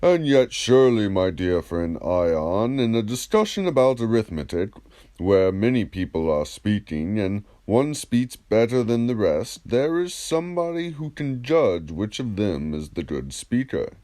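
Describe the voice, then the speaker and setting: A man's voice: fairly low pitch, big pitch swings, mellow. A man voicing a wise, courteous philosopher who questions patiently and methodically in an audiobook dialogue. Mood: methodical reasoning. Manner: measured, polite, methodical questioning.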